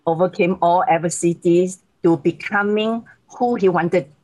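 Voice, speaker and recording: A woman's voice: lowish voice, unhurried, low-quality recording. Laughing Malaysian woman in her sixties. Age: 60s. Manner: warm, grateful, laughs often. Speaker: guest speaker. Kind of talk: speaking on a video call. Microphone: video call.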